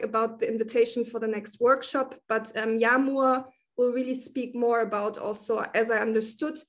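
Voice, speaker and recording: A woman organizing an online panel, speaking hesitantly with many fillers over a laptop video call from home. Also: a little high.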